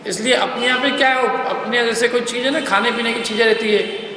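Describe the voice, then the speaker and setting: A man's voice: extremely high pitch, steady tone, quick pace, pushed and bright. A man giving a religious lecture to a class, explaining step by step and asking his listeners questions. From India. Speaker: lecturer on scripture. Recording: echoey hall, faint background noise.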